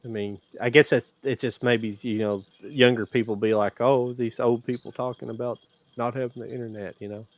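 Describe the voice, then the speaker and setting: A man's voice: mid-range voice, fairly even intonation, moderate pace, no echo. A man in his forties chatting casually about movies on a podcast, rambling and restarting his sentences. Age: 40s. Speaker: podcast co-host.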